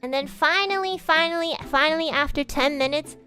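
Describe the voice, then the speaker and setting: A young woman streamer telling a story in casual chat, animated and swearing, loudly acting out her past self. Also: high voice, a little fast, faint music behind.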